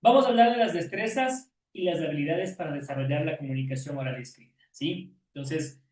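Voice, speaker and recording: A man's voice: fairly high pitch, fairly quick, a little mellow. A male teacher giving an online class lecture, often checking in with questions and calling on students by name. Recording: roomy echo, distant from mic.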